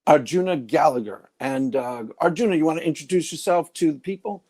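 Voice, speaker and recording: Male live-stream host, slightly high voice, curious, chatty, laughs often. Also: fairly quick, darkish tone.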